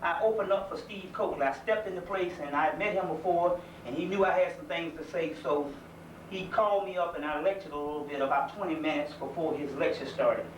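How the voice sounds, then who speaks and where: A man's voice: a little high, brisk. Southern man lecturing in an echoey hall. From South Carolina. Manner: folksy, conversational, earnest. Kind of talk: informal community lecture. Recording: echoey room, mic far off, faint hiss.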